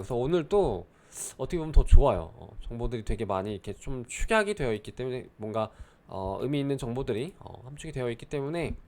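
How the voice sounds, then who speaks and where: Picture a young man talking through the crypto market on his own channel. His voice sits a little high and swings up and down lively, and he pauses often with fillers as he explains. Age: young adult. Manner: hesitant, many fillers, explanatory. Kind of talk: casual solo market commentary.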